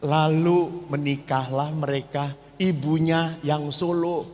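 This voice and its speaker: A man's voice: on the high side, fairly even intonation, takes it slowly, a little mellow. A man, a Catholic priest, giving a humorous seminar talk on marriage and acting out the people in his stories. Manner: joking storyteller who acts out voices. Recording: reverberant hall, faint noise.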